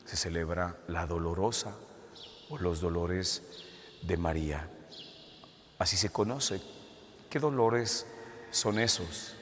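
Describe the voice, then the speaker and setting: A man, a Catholic priest, reading the gospel and preaching a homily in a church, his voice carrying a cathedral echo. He speaks in a measured way and poses rhetorical questions. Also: deep voice, a bit bright. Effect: cathedral echo, long church reverb. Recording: long church reverb, faint hiss.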